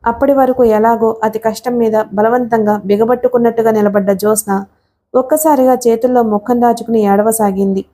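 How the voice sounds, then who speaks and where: A woman narrating a novel for an audiobook in a steady, expressive storytelling manner. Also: a little high, fairly quick.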